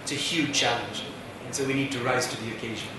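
A man's voice: mid-range voice, fairly even intonation, fast talker. Man telling a story in an echoey hall. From India. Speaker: conference panelist. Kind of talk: anecdotal speech. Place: large conference hall. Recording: echoey hall, distant mic, background hiss.

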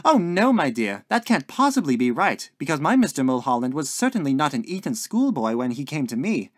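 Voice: medium pitch, sing-song, a little fast, dry recording, studio quality, pitched above the performer's own voice. A narrator voicing a dainty, scatterbrained older landlady in a story, with sweet endearments and a coaxing, genteel manner. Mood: sweetly coaxing. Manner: sing-song, sighing, motherly endearments.

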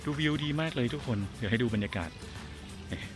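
A man's voice: medium pitch, lively intonation, fast talker, music in the background. A man vlogging casually while walking outdoors, chatty and exclaiming as he talks to his viewers. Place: outdoors on a street and in a garden cafe.

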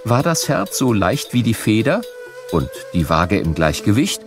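A man narrating a scripted educational audiobook for children with measured, clearly phrased storytelling. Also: lowish voice, very animated, music in the background.

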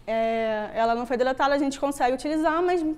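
A young Android developer talks fast in a high, slightly mellow voice, her Rio de Janeiro (carioca) Brazilian accent evident. She gives an informal, conversational tech talk as a meetup speaker, on stage before a screen in a wooden-floored meetup room.

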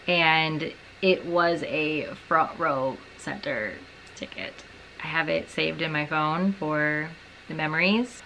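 A woman's voice: on the low side, bright, forceful tone, a little hiss or hum. A young woman in her twenties chatting casually to camera in a small bedroom, with wry, self-mocking asides. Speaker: lifestyle vlogger. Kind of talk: casual vlog chat to camera.

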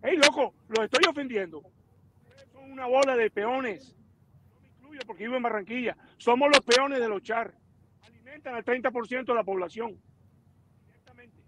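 A man's voice: extremely high pitch, normal speed, long pauses, over a noisy crowd. A man on a video call panel, provocative and combative. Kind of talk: heated talk show commentary.

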